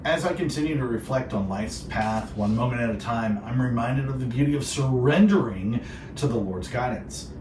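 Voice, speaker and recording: A man's voice: medium pitch, normal speed. A man hosting a devotional Christian radio show, speaking in an earnest, reflective and polished way. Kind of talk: devotional radio talk with co-host. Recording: roomy echo, distant, clearly noisy.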